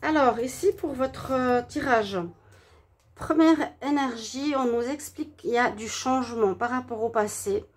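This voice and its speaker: A woman with a stuffy nose from a cold gives a relaxed tarot reading for her viewers, gentle and halting with many hesitations. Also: a little high. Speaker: tarot reader.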